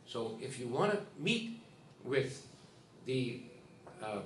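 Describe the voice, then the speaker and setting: A man's voice: mid-range voice, sing-song, takes it slowly, fairly bright tone. Emphatic male ceremony speaker, off the cuff, recorded from afar in a roomy hall with faint hiss. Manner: emphatic, repeats himself, talks to the audience. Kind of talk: informal speech at a ceremony. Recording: echoey hall, distant mic, faint hiss.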